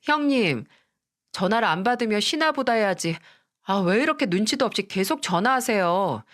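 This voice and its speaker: A woman's voice: medium pitch, animated, moderate pace, a bit bright, close to an everyday voice. A woman voicing a rude, lazy younger sister-in-law who talks in a dismissive, mocking way.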